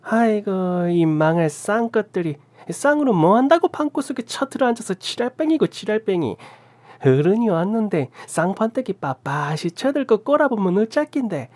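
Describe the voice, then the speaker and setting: A woman's voice: low-pitched, huge pitch swings, husky, pitched above the performer's own voice, full character voice. A woman voicing a tiny, hunched old aunt with a Gyeongsang accent who scolds and curses fiercely. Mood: ranting. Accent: Gyeongsang Korean. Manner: scolding, cursing, drawn-out shouts.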